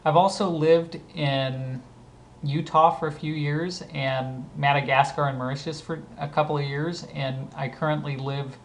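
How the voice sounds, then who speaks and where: A man with a Southern California accent and a slightly scratchy voice, pitched a bit higher than most men. He reads words off a list one by one and chats easily about how he would use them. A faint hiss sits behind him. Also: steady tone, measured pace. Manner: reads each word, then explains usage conversationally. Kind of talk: casual accent-tag word list.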